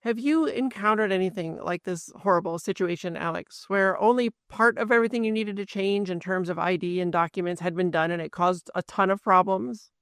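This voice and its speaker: A woman hosting a podcast, speaking earnestly in a steady, scripted personal monologue. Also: mid-range voice, fairly quick, hardly any pauses, clear, resonant tone, dry recording, studio quality. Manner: earnest, steady, with show plugs. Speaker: podcast host.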